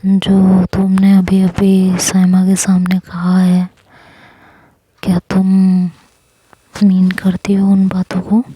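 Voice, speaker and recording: A woman's voice: medium pitch, monotone, takes it slowly, long pauses, dark tone, husky, dry recording. A woman voicing a playful young woman who teases and coaxes the girl she loves. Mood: teasing. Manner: teasing, coaxing.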